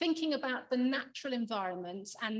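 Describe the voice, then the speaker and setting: A loud woman's voice, high in pitch, at a moderate pace. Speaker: archaeology lecturer. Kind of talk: conference lecture. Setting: conference hall with microphone.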